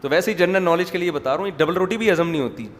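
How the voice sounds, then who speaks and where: A man preaching a sermon, talking in a chatty, joking storytelling way. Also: high-pitched. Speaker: Islamic preacher. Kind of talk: sermon with humorous digressions. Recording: echoey hall with faint background noise.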